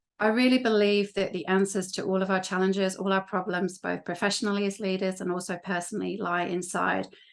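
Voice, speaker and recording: Speaking very fast with hardly any pauses, a woman with a British accent uses a medium pitch and a monotone, flat intonation. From UK. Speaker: transformation coach. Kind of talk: interview presentation.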